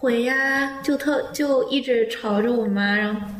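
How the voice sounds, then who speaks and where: Room echo and noticeable background noise surround a woman with a fairly high pitch and a slight Malaysian accent. Her intonation stays fairly even. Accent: slight Malaysian Chinese. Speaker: international university student. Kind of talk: casual interview chat.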